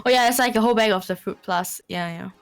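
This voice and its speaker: A woman's voice: medium pitch, quick pace, vocal fry, smooth, faint music behind. A woman chatting casually on a livestream, often restarting her sentences and giggling. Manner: stammering restarts, frequent giggles. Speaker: streamer co-host.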